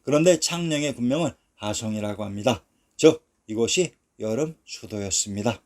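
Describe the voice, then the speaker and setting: A man narrates a history documentary in a steady, measured read, pausing on each place name as he lists it. His voice sits at a middle pitch. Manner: slow, measured, reads long lists of place names.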